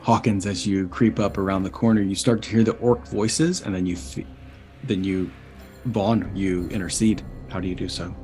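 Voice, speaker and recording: Low-voiced man running a tabletop game. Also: steady tone, moderate pace, dark tone, faint music behind. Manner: descriptive, calls for dice checks. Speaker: game master.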